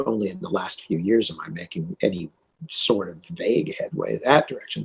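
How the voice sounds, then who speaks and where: Speaking at a moderate pace, a man with an American accent shows vocal fry. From Utah, US. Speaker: punk rock guitarist. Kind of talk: interview. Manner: halting, many false starts.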